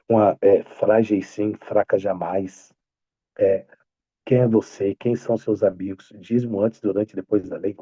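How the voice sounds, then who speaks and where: A Brazilian-accented male pastor with a low, very mellow voice that sounds a bit husky. He moves from hushed prayer to lively address, captured on a dry, dull lo-fi line. He speaks in a fervent, earnest manner. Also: no room sound. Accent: Brazilian Portuguese. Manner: fervent soft-spoken prayer, then upbeat warm greeting. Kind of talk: prayer and sermon talk.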